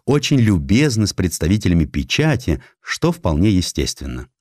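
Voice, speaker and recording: A man narrating a literary historical essay as an audiobook, in an expressive, measured storytelling manner with dramatic emphasis. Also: lowish voice, dry recording, clean studio sound.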